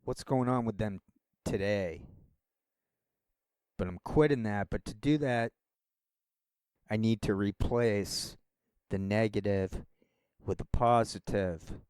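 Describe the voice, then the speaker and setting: A man's voice: fairly low pitch, slow, long pauses, darkish tone, smooth, dry recording, clean studio sound. A man rambling through a casual solo monologue as a vlogger, wandering from thought to thought. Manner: rambling, meandering talk.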